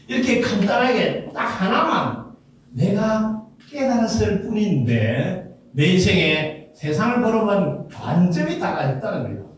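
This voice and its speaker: A man giving a motivational lecture, animated and quizzing the audience with questions. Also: high voice, slight background noise. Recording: echoey hall, distant mic.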